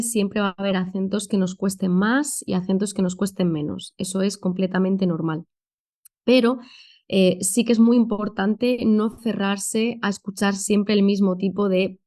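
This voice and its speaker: A woman's voice: medium pitch, mellow. A woman from Spain with a Madrid accent, a conference interpreter answering thoughtfully in a podcast interview, with many fillers. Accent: Madrid Spanish.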